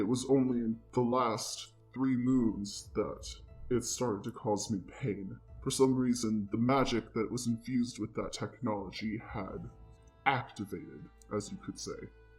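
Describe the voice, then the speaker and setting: A man uses a put-on character voice, rumbling at a medium pitch and a moderate pace. Faint music plays in the background. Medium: actual play. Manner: grave, measured, formal.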